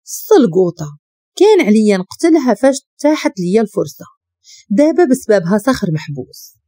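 Woman putting on an angry moroccan girl, snappy and spiteful, lively pitch. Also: brisk, no echo, clean studio sound. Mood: agitated.

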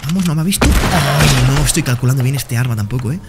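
A young man giving excited, jokey commentary over his own gameplay, talking straight to his viewers. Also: mid-range voice, fast talker, over loud music. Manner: excitable, talks to viewers as "señores" and "tío", jokey. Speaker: gaming streamer.

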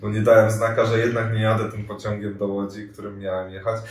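A hesitant man in his thirties answers interview questions, pausing often and restarting his sentences. His voice sits low. The sound is roomy, picked up from a distance in a sitting room. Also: monotone. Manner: hesitant, many fillers and restarts. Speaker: volunteer coordinator, guest. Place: room with armchairs and radiator, indoors. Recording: echoey room, mic at a distance.

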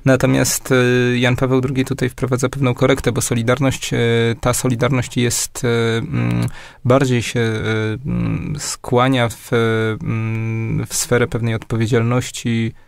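A man from Poland, a guest historian, explaining at length in a hesitant academic way, with frequent pauses and restarts. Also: mid-range voice, completely flat delivery, creaky, clear, resonant tone, dry recording. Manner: many fillers and restarts, measured.

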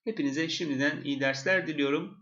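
A man's voice: on the high side, brisk, dull audio, heavy background noise. A male teacher walking through exam questions step by step and repeating the key points.

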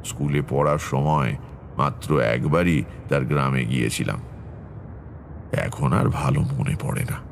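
An actor playing a middle-aged tantric astrologer, narrating his past in a measured, reflective way for a horror audio story. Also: extremely low pitch, fairly even intonation, vocal fry, a little hiss or hum, heavily acted. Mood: wistful. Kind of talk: dramatic first-person horror story narration. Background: background music.

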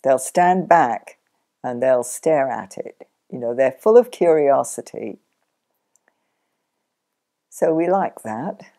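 Older woman, very low voice, mellow tone, chatty practical sheep farmer, sit-down interview. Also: expressive, slow pace, pauses often. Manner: chatty, practical, explains step by step. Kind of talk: relaxed interview answers. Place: sunlit living room, in an armchair.

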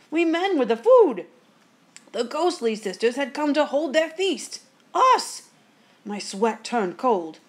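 A woman playing a quick-witted, teasing father who spins a ghost tale with drawn-out suspense. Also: fairly high pitch, pitched above the performer's own voice. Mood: dread.

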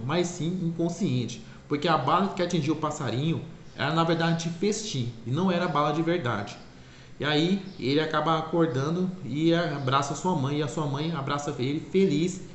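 A man casually retelling a cartoon's plot in a rambling way, often correcting himself. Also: on the high side. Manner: rambling, self-correcting, repeats "é claro". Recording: echoey room, faint ambient noise.

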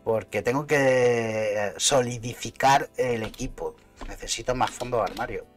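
A man with a Spain Spanish accent commentating his own football video game live, excitable, muttering and cursing at the action. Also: mid-range voice, moderate pace, soft background music. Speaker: gaming streamer.

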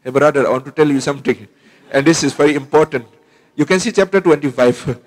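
A man's voice: fairly high pitch, fairly quick, lightly acted. A man putting on an earnest South Asian English lecturer. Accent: South Asian English, imitated. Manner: earnest, emphatic, instructive.

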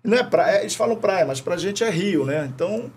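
A middle-aged man from Rio de Janeiro with a Carioca accent, telling animated anecdotes full of slang, swearing and laughter as a podcast guest. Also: high voice, brisk, a little hiss or hum. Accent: Carioca Portuguese. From Rio de Janeiro, Brazil. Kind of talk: casual chat, storytelling. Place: podcast studio.

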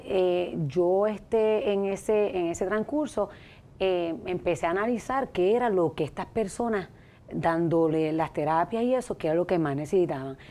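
A middle-aged woman from Puerto Rico with a Puerto Rican accent, a life coach speaking haltingly in a studio interview on a lapel mic. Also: medium pitch, a little mellow. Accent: Puerto Rican Spanish. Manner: hesitant, many fillers and restarts.

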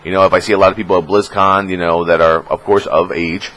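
A man's voice: steady tone, fast, a bit bright, rough recording. A young man talking casually on his vlog as a streamer, rambling with lots of fillers and swearing. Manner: rambling, filler-heavy, swears and mocks trolls in squeaky voices.

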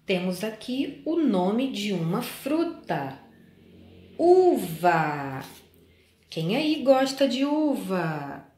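A Brazilian woman teaching a preschool class, speaking gently and singing children's songs in a drawn-out, sing-song way. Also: mid-range voice, big pitch swings. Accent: Brazilian Portuguese. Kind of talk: slow, sing-song lesson for small children. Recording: echoey room.

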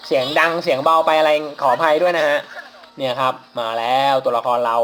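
Chatty Thai gamer man, higher voice. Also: fairly quick, fairly bright tone, faint music behind. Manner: chatty, polite, laughs at his own mistakes. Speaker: mobile game reviewer. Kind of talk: casual gameplay commentary. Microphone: phone mic while playing on a phone.

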